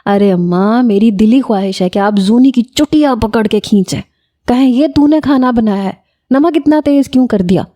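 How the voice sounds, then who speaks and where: Lady reading as a cheeky young guy cousin, raised voice, dark mellow tone, playful whining. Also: a little high, no room sound, lightly acted. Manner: playful, mock-complaining. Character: teasing mischievous young man cousin.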